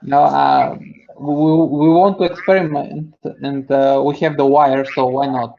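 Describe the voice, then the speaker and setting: A man's voice: medium pitch, steady tone, measured pace, vocal fry, dull audio. A man from Bulgaria in the audience asks a question, hesitant and full of filler sounds and restarts. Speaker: audience member asking a question.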